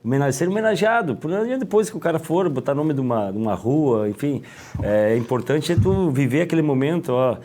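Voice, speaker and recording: A middle-aged man with a Gaúcho Brazilian accent, a former footballer talking as an interview guest, rambling and halting with many restarts. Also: a little high, lively intonation, mellow. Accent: Gaúcho Brazilian Portuguese. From Rio Grande do Sul, Brazil. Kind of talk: casual interview.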